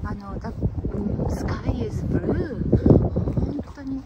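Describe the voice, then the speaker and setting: A woman whose first language is Japanese chats her way through a windy street walk on a live stream. She talks slowly in a slightly high voice and moves between simple English and Japanese. Loud wind and traffic noise press on the phone mic. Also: highs cut off. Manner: mixes English and Japanese, reads viewer chat. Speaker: live-stream walking host. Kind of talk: casual live-stream chat. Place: city streets outdoors, windy.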